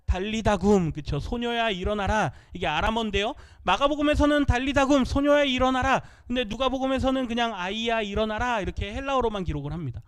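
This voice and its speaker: A male pastor with a high voice delivers a sermon in church. He reads scripture out loud with his congregation and teaches by asking questions, then answering them himself. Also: fast, hardly any pauses, clear, resonant tone.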